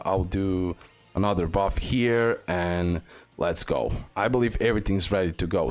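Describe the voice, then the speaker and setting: A man giving casual, unscripted gameplay commentary as a video host, often repeating short phrases over and over. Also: fairly low pitch.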